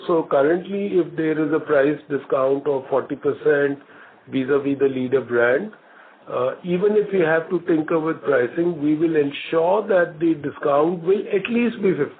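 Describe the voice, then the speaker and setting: An Indian man, a company executive, answering questions on an earnings call in a measured, formal, hesitant way with frequent pauses. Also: on the high side. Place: conference call. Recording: muffled narrow phone line with some noise.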